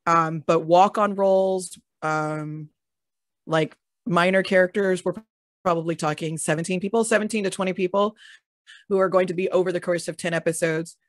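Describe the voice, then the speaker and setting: A woman's voice: on the low side, dry recording, clean studio sound. A woman who creates audio dramas, talking frankly in a casual panel, laughing often and swearing now and then.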